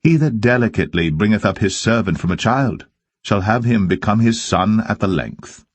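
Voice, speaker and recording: A man giving a solemn, measured reading of old-fashioned Bible verse as a scripture reader. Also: fairly low pitch, animated, breathy edge, dry recording. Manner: measured, deliberate phrasing.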